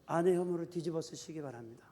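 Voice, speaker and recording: A male pastor preaching an animated sermon in a church, acting out quoted husbands and wives as he goes. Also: on the high side, fast talker. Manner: animated preaching, acts out spouses' quarrels in quoted voices. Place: church sanctuary. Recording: reverberant church hall.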